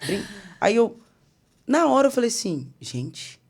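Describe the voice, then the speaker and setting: Woman telling a lively testimony. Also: fairly high pitch, normal speed, breathy edge. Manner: animated, acts out quoted dialogue. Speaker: guest singer. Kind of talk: podcast testimony, casual storytelling.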